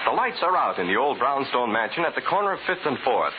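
A man's voice: medium pitch, sing-song, quick pace. A man announcing and narrating in a formal, emphatic, dramatic 1940s radio style. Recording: hissy, tinny 1940s radio recording.

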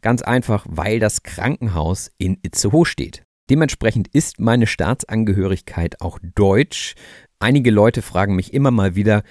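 A man in his thirties from northern Germany, hosting a podcast for German learners in calm, clear, deliberate narration. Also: fairly low pitch, no echo, studio quality. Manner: calm, explanatory, easygoing. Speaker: podcast host teaching German.

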